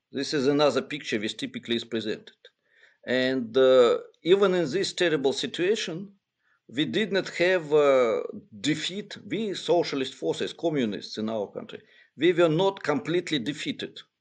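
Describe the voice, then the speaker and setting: Over a quiet background, a man with a Russian accent and a fairly high pitch speaks at a moderate pace with very wide pitch swings. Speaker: professor. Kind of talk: interview. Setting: video call.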